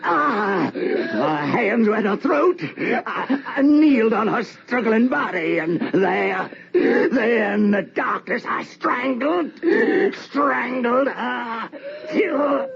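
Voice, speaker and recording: An actor playing a guilt-ridden, tormented husband confessing to murder in an old-time radio horror drama, halting and repeating his words. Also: extremely high pitch, lively intonation, vocal fry, fairly bright tone, husky, full character voice. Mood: hysterical anguish. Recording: noisy, dull old radio recording.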